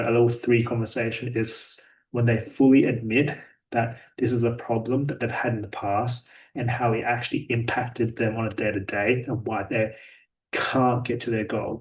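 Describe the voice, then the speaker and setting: Man, sales vlog update, monotone and robotic, middle pitch, a little far from the mic. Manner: self-described monotone, robotic delivery. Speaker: sales rep vlogger. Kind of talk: daily progress vlog. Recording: voice a bit distant from mic.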